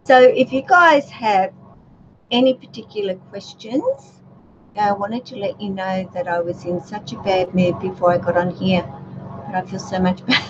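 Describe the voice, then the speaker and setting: A woman with a soothing voice, hosting a relaxed livestream chat with her viewers, gentle and chatty with many fillers. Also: medium pitch, normal speed. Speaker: YouTube channel host. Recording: dull lo-fi livestream audio with faint noise.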